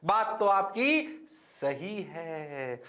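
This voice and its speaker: A man's voice: high-pitched, big pitch swings, extremely slow, bright, forceful tone, reverberant, heavily acted. A male teacher voicing a fawning young male student, who eagerly agrees in a sing-song, repetitive way. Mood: eager, flattering. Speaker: mock student in a lecture.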